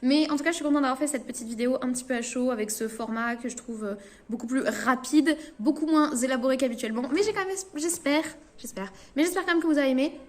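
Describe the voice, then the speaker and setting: A woman's voice: sits high, rapid-fire, a little mellow. A woman chatting casually and emphatically as a video blogger, in an echoey, resonant room. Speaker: film review vlogger. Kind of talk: casual reaction commentary to camera.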